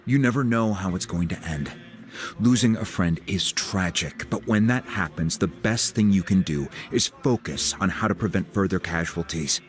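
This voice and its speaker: A man acts a seasoned tribal chief from a video game, with a low-pitched voice. He speaks frankly and with measured, fatherly care, cautious yet supportive, over soft music. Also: close to an everyday voice. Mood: grave, cautioning.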